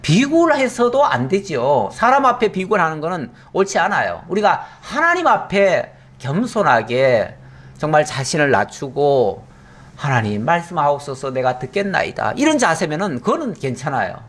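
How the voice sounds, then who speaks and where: A man's voice: on the high side, wildly swooping pitch, moderate pace, fairly bright tone. A middle-aged male pastor giving a Bible exposition, telling the story with animation and acting out the characters' lines.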